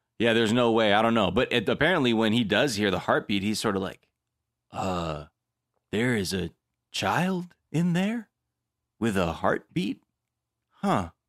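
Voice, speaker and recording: A man's medium-pitched voice at a moderate pace, broken by long, frequent pauses. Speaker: podcast co-host recapping reality TV. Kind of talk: casual comedic chat. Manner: animated, joking.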